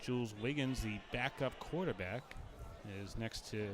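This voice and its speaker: A man calling the play-by-play at a local football game, brisk and fond of light joking banter. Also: medium pitch, a crowd in the background. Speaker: play-by-play announcer.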